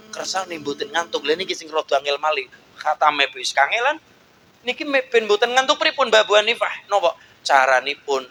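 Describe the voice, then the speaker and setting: A man with a Javanese accent preaching a lively sermon, jumping to high calls and chanting prayers. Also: rough recording. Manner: animated, swings into high shouts, chanted Arabic prayers.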